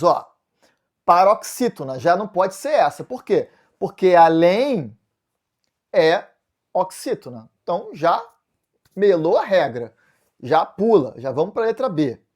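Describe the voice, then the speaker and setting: A man's voice: sits high, a little mellow. A man with a Brazilian accent teaching a video lesson, walking through exam answers step by step and answering his own questions. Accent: Brazilian Portuguese. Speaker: Portuguese teacher.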